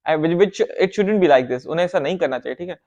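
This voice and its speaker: Man, slightly high voice, rambling advice talk with English phrases, dull lo-fi recording. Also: normal speed, a little mellow. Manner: rambling, repeats "theek hai" often, mixes English phrases; heated, rises sharply when acting out bosses and husbands. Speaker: vlogger giving life advice. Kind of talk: casual monologue. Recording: dull lo-fi sound.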